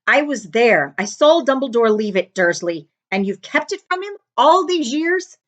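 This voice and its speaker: A woman voicing a huge, gruff, hot-tempered wizard man from a storybook, blunt and emphatic, with drawn-out words. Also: a little high, big pitch swings, muffled recording, voice pushed up. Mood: furious.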